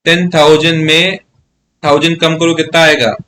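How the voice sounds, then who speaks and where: A man's voice: fairly high pitch, flat delivery, normal speed, sharp tone, slight background noise. A man teaching a live online maths class, coaxing his students along and often checking if they follow. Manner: chatty, coaxing, keeps asking students "yes or no?".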